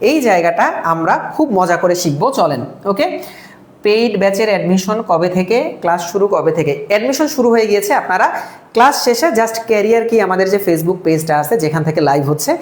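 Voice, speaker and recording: A woman's voice: medium pitch, lively intonation, quick pace, a little mellow, reverberant. A woman teaching a live online exam-prep class, drilling terms by repeating them and asking and answering her own questions.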